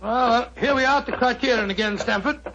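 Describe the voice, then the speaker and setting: A hearty, bluff doctor friend who speaks up warmly and readily. His voice sits high for a man. The sound is muffled like an old radio broadcast. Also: fast, gravelly, slight background noise, exaggerated voice. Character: hearty, loyal male doctor companion. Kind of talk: 1940s radio drama acting.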